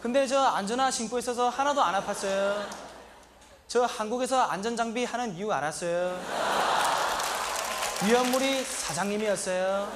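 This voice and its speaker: A comedian playing an earnest young male migrant worker with a Sri Lankan accent, speaking in short, broken sentences and shouting an indignant catchphrase. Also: sits high, normal speed, pauses often, heavy background noise, natural voice. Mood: plaintive. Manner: broken, simple Korean sentences. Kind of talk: stand-up comedy monologue.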